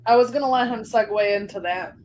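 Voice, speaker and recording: A woman's voice: a little high, brisk, a little mellow. A woman hosting a casual panel, enthusiastic and swearing freely. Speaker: show host. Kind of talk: casual chat.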